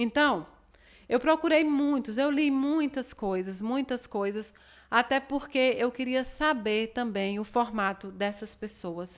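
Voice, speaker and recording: In a Ceará accent, a woman speaks at a high pitch and a very slow pace, with ordinary pitch variation. The recording is very clean with a silent background. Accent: Northeastern Brazilian (Ceará). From Brazil, Ceará (Northeast). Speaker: spiritist presenter. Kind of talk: spiritual talk.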